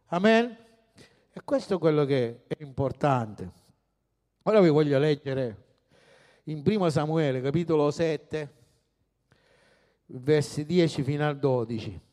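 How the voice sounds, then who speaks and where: Predicatore dalla voce alta in una sala riverberante. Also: male voice, on the high side, measured pace, pauses often. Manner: rousing preacher, swings from hushed to loud, calls to the congregation. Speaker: pastor. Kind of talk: sermon. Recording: long hall reverb.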